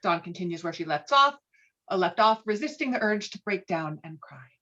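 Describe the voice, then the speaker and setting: A woman's voice: on the low side, expressive, moderate pace, bright, forceful tone, highs cut off. A woman reading screenplay stage directions as scripted narration, on video-call audio.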